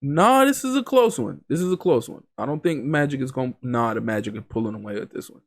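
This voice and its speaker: Sounding stuffed up while recovering from being sick, this gaming channel host talks fast in a mid-range voice. He chats excitably over a simulated basketball video game, rattling off one player stat after another in a casual way.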